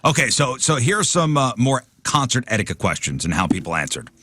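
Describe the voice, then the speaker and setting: A man hosts a radio talk show, reading poll questions and percentages aloud in easy banter. His pitch moves around with animated swings, sitting in a middle register. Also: brisk, dry recording, studio quality. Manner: reads out poll results, lively back-and-forth. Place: radio studio.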